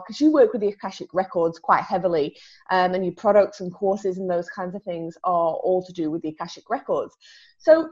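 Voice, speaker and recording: A woman's voice: mid-range voice, lo-fi sound. A woman hosting a podcast interview, asking her questions hesitantly with many fillers and restarts. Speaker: podcast host.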